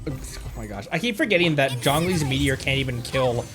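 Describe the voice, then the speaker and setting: A man's voice: medium pitch, animated, brisk. A man giving casual gaming commentary as he hosts a livestream, chatting to his viewers. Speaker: livestream host playing a video game. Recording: game music behind. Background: video game music.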